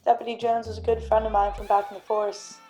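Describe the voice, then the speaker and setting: Woman playing a deadpan, flat-toned noir private detective. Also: medium pitch, fast talker, soft background music, natural voice. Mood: brooding, self-assured. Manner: deadpan, brooding, grandiose. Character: hard-boiled, self-important private detective, former cop. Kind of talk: 1930s noir radio drama narration.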